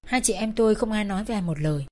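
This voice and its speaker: A woman's voice: medium pitch, very fast, mellow. Sorrowful woman narrating a story. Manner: sorrowful, emotional. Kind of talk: first-person dramatic story narration.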